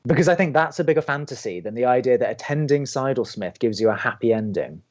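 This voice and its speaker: A man's voice: medium pitch, expressive, fast, darkish tone, dull audio, natural voice. A man playing an awkward, wry young college radio co-host in an audio drama. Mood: impassioned. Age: young adult. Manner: dry, exasperated, awkward.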